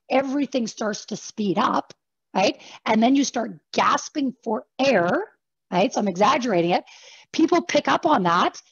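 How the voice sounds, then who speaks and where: Fast-talking woman coaching over video call. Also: a little high, creaky, slightly rough, dry recording, highs cut off. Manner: fast-talking, animated, acts out examples. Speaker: executive coach. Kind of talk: online workshop talk.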